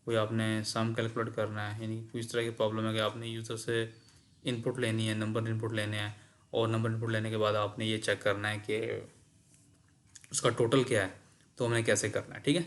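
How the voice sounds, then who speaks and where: A man's voice: fairly low pitch, flat delivery, normal speed. A man teaching a programming lesson, reading textbook lines in English and explaining them, repeating the key points.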